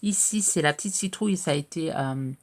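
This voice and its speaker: A middle-aged woman with a low, gravelly voice talks casually through craft pieces she received. She hesitates often, filling gaps, and her voice cracks a little now and then. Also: fairly quick. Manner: hesitant, many "euh" fillers, chatty. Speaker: craft video host. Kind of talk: casual show-and-tell of mail.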